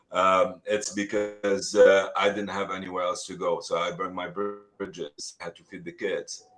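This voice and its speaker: Deep-voiced man from Lebanon. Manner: earnest, halting, with many restarts and fillers. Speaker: real estate agent, guest. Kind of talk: casual interview talk.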